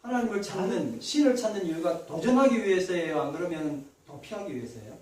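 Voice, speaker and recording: A man's voice: high-pitched, animated, brisk, darkish tone, roomy sound, recorded from a distance, rough recording. A man, a pastor delivering a Sunday sermon in a church, talking conversationally and putting questions straight to the congregation. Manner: conversational preaching, asks the congregation questions directly. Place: church sanctuary.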